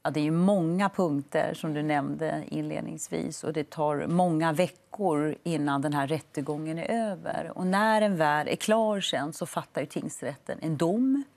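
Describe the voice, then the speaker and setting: Low-voiced woman explaining things firmly. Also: vocal fry, a little mellow. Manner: measured, explanatory, firm. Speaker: lawyer, studio guest. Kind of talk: TV morning show interview. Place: TV studio set. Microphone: lapel.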